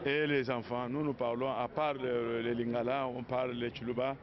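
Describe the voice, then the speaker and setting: A man speaking in a rapid, rambling way in a street interview. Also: mid-range voice, flat delivery. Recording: dull lo-fi street recording with crowd.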